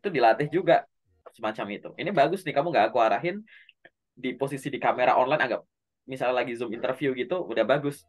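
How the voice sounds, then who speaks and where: A man coaching a learner on job interviews in a relaxed, conversational way, speaking straight to them. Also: mid-range voice. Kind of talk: casual online coaching session.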